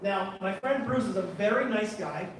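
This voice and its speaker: High-voiced man telling a story in an echoey hall. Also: normal speed, noisy background. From Canada. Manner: animated, chatty storyteller who backtracks and restarts. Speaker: photographer giving a talk. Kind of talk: live storytelling presentation. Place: large room at a photography guild talk. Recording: very echoey room, far from mic, faint ambience.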